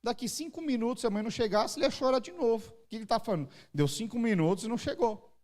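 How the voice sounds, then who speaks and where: A man's voice: very high voice, expressive, fast talker, a little mellow. A man from Brazil with a São Paulo-area Brazilian Portuguese accent, preaching a church sermon and acting out crying babies and parents. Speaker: pastor. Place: church service.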